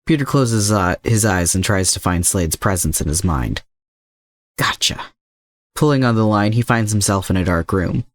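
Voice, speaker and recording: A man narrates a scripted adventure story as a reader of fan fiction. His voice sits low in pitch, and the sound is very dry, with no room around it. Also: expressive, moderate pace, few pauses, no echo.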